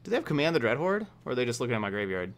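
A man's voice: mid-range voice, sing-song, rapid-fire. A man in his thirties giving casual commentary on a game he is streaming from a room at home.

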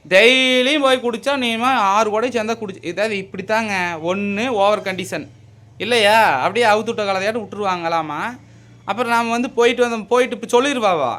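A man's voice: sits high, brisk. Swearing man in a heated argument. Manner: defensive, swearing, rising to shouts. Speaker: husband.

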